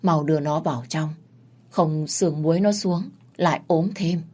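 A woman's voice: deep voice, fairly even intonation, moderate pace, dark tone. A woman voicing a bossy, enraged middle-aged wife who scolds her rival in a told story.

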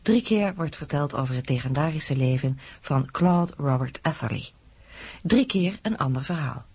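A woman announces a radio programme from a script. Her voice is a little husky and very dry of room sound, on a slightly dull recording. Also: low-pitched, darkish tone, dry recording.

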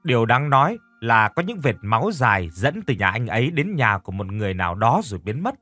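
A brisk investigating officer laying out facts in a quick, matter-of-fact way, voiced by a man. Bright tone, dry and close. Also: medium pitch, big pitch swings, no echo, faint music behind. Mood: serious.

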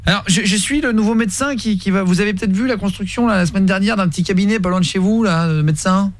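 A man's voice: sits high, quick pace, no room sound. A young man making a prank phone call, posing as a new doctor and rambling with hesitations and restarts. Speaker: prank caller.

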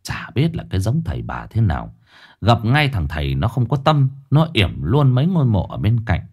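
A man narrating a folksy ghost story in a lively way. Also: lowish voice, moderate pace, slightly rough.

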